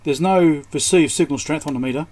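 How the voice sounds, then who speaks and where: A fairly quick, slightly high male voice with a darkish tone carries casual repair commentary as he mutters and reasons aloud at a workbench. He is an electronics repairer presenting his work, and background noise is clear in the clip.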